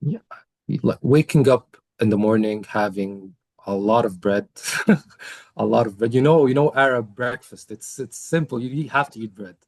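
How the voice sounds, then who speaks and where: A young man from Egypt, a coaching client telling his story in an interview, earnest and measured, with many pauses and fillers. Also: lowish voice, no echo. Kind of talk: testimonial interview.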